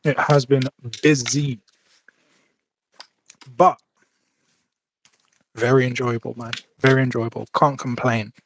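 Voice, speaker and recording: A man's voice: mid-range voice, fairly even intonation, takes it slowly, pauses often, slight background noise. A man hosting a casual podcast in an upbeat, easygoing way. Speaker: podcast host. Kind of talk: casual chat.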